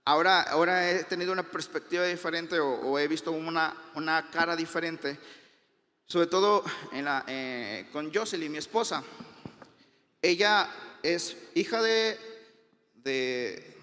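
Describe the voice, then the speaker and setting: Man, Mexican Spanish accent, preacher, high-pitched, conversational sermon, reverberant hall. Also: unhurried, bright, forceful tone. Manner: conversational, many fillers and restarts. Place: church hall.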